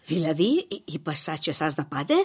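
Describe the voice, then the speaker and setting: An actress with a Cypriot Greek accent playing a devout, pious old mother who is gentle but stern. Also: low voice, breathy edge, heavily acted. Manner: pious, scolding, lively speech.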